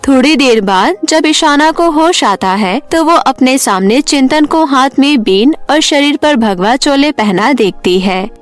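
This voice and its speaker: A woman's voice: sits high, lively intonation, unhurried, few pauses, soft background music. A woman narrating a scripted cartoon story as a storyteller.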